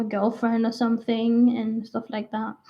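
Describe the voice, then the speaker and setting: The speaker has a Swedish accent, and noticeable background noise runs under the recording. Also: woman. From Sweden and England. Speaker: livestreamer. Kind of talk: casual livestream chat. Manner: rambling with hesitations.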